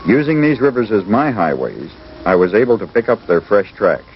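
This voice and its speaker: Low-voiced man narrating an old nature film. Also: very animated, moderate pace, lo-fi sound. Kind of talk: scripted first-person documentary narration. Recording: band-limited old 16mm educational film soundtrack. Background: loud background music.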